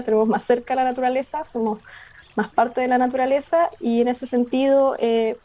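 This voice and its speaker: A young woman with a Chilean accent speaks in a fairly high but soft, mellow voice. She talks thoughtfully, often pausing with fillers and restarting her sentences. She sounds like a scientist answering a radio interviewer. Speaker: biologist guest.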